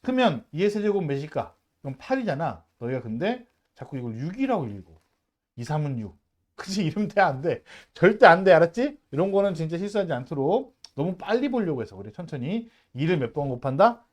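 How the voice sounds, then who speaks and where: A math teacher in the middle of a casual lesson for middle schoolers, the pitch swinging up and down in lively swoops. The talk is chatty and emphatic, full of quick rhetorical check-ins, and keeps pushing the students to say each term aloud.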